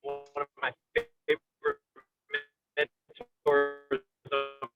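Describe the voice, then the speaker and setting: A man in an analytical, conversational film discussion, speaking in an intellectual, halting way with academic vocabulary as he searches for words. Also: fairly high pitch, huge pitch swings, gravelly, over loud music. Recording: tinny phone-like radio-style sound.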